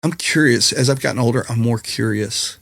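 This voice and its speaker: A middle-aged man, a musician and comedian, talking candidly on a podcast in a slightly raspy voice, mixing jokes with reflection. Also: mid-range voice, brisk, fairly bright tone, dry recording, studio quality. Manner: candid, reflective, jokey storyteller. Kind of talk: casual conversational interview.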